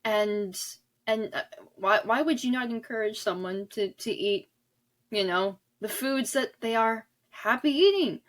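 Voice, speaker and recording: A woman being interviewed as an author, talking conversationally and explaining earnestly, in a halting way. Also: a little high. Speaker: guest author discussing their novels.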